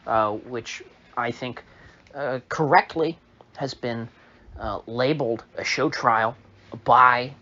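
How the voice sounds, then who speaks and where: A man who is ill, voice a little off, giving a halting, opinionated political commentary monologue full of fillers, recorded in a room. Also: mid-range voice, pushed and bright, dull audio. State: sick, slightly off voice. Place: indoor room.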